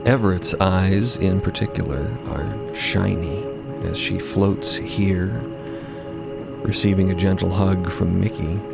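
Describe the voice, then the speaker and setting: A man narrating a scripted audio drama in a solemn, measured way. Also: sits low, steady tone, vocal fry, loud music behind the voice.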